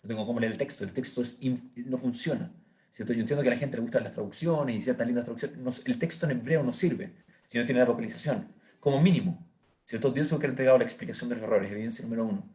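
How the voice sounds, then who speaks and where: A man with a Chilean accent, a rabbi teaching a Torah class, explaining with lively rhetorical questions to his listeners. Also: mid-range voice, quick pace.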